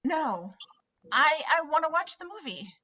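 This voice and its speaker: A woman's voice: high-pitched, very animated, pushed and bright, full character voice. A woman playing an awkward, sincere young woman in a screenplay table read, speaking hesitantly on a slightly dull mic. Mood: flustered, hesitant. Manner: hesitant, halting.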